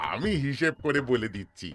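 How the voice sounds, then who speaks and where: A man's voice: medium pitch, big pitch swings, unhurried, vocal fry. A man voicing a fawning, anxious village jeweller in a cartoon, repeating phrases obsequiously. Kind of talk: exaggerated cartoon dialogue.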